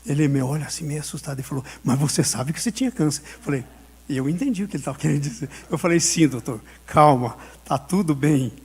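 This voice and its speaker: A man's voice: on the high side, a little mellow, husky. A male pastor preaching a sermon, telling a personal story and acting out the dialogue with frequent laughter.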